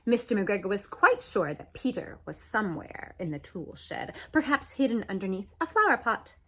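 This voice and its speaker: Very animated woman reading a children's story. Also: medium pitch, breathy edge. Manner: expressive, dramatic swoops and pauses. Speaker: storybook reader.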